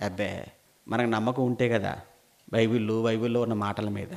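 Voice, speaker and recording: A man preaching a sermon, firing rhetorical questions at his listeners and swinging from loud emphasis to quiet, low lines. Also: fairly even intonation, fairly quick, vocal fry. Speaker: pastor.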